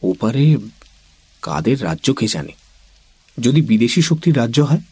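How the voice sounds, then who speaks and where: A man voicing a weary young man who sounds doubtful and quiet, in an audiobook. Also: mid-range voice, big pitch swings, measured pace, breathy edge, no echo, voice pushed up. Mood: subdued. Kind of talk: audiobook character voice.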